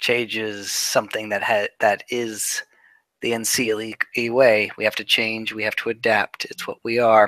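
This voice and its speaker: Putting on a raspy character voice, a man speaks at a medium pitch and a moderate pace. The recording is very clean, dry and close, with a silent background and no echo. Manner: flat.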